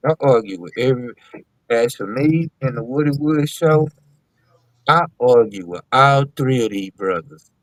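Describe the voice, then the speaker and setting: A male radio host with a raspy, carrying voice, speaking in a drawn-out, emphatic, opinionated way. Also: medium pitch, dry recording, low-quality recording. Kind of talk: casual radio chat.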